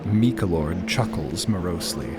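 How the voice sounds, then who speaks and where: A man's voice: deep voice, lively intonation, moderate pace. A man narrating a scripted audio drama in a dramatic style. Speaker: podcast narrator. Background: music.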